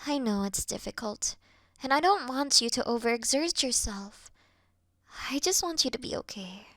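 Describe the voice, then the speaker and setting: A woman playing a caring, worried best friend in an intimate roleplay audio call, speaking softly and soothingly with breathy murmurs. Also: fairly high pitch, expressive, moderate pace, no room sound, clean studio sound. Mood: patient, encouraging. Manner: soft, soothing, reassuring, sighing, dropping into breathy murmurs. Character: caring, gentle young female best friend, patient and worried.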